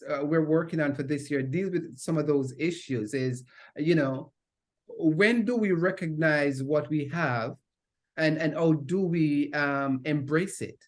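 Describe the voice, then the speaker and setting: A man's voice: a little high, a little slow. A middle-aged man from Jamaica with a Jamaican accent, a guest talking through his work with hesitant fillers and restarts. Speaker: conference director, guest. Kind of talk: interview conversation.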